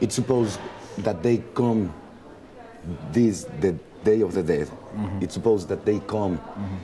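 Speaking in a Mexican accent at a moderate pace, the voice shows ordinary pitch variation with long, frequent pauses. Light background noise is present. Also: man, fairly low pitch for a man. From Mexico. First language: Spanish. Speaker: film actor. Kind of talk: casual interview. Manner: halting, searching for words. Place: hall.

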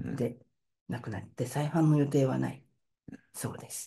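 A woman's dark, mellow tone over a quiet background. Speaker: session host showing her book. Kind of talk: casual talk on a video call. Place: home room. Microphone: webcam.

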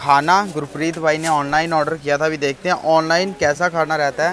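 Over light background noise, a man speaks in a high pitch with monotone, flat intonation and a dry sound with no echo. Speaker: travel vlogger. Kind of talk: casual vlog chat. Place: train. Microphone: phone near.

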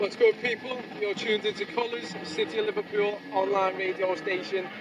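A man at a fairly quick pace, dry with no echo, over noticeable background noise. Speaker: radio presenter. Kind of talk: radio interview host. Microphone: camera far.

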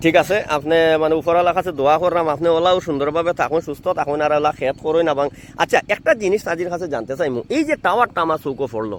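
This man's voice sits fairly high in pitch. The variation in his pitch is ordinary. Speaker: vlogger. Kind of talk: vlog narration. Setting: outdoors. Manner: halting.

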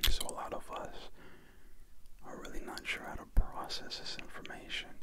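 Over loud background noise, a man whispers softly at a fairly slow pace. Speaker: vlogger. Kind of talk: soft reflective talk to camera, ASMR-like. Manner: soft close-mic ASMR whisper. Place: home room. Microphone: handheld.

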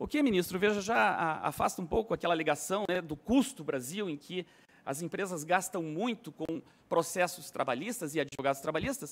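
With a Paraná accent, a man speaks at a moderate pace in a high pitch with lively intonation. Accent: Paraná accent, noticeable. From Paraná, southern Brazil. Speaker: labor law researcher, conference speaker; speaker. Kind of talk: conference talk; lecture. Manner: formal, with frequent filler hesitations. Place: hall. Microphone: podium.

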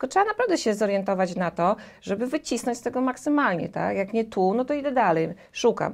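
Very fast and with hardly any pauses, a woman speaks with lively intonation. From Poland, Podkarpacie region; Poland. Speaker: personal finance expert; guest. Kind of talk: casual interview. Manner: halting, many fillers. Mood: engaged, explanatory. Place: studio. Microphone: lapel.

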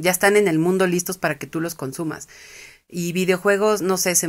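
A woman with a Mexico City accent talks at a fairly quick pace with fairly even intonation. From Mexico City (Iztapalapa). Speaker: journalist and editor. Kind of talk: casual chat.

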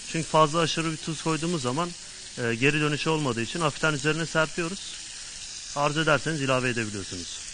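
A man talks at a very fast pace with ordinary pitch variation. There is noticeable background noise, and the sound is dry with no echo. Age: 20s. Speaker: butcher. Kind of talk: cooking demonstration. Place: studio. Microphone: lapel.

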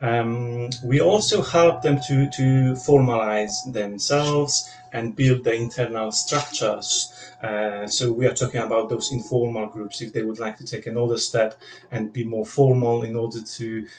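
A moderate pace with fairly even intonation, over light background noise. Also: man. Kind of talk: livestream presentation talk. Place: office. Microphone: webcam.

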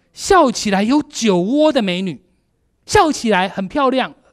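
This speaker has a Taiwanese accent and an animated tone. The background is quiet. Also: man. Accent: Taiwanese Mandarin. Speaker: motivational speaker. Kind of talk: seminar lecture to live audience. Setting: stage with audience. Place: stage. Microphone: handheld.

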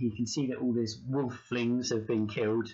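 A man at a moderate pace. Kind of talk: storytelling narration to children. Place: home room. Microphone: camera far.

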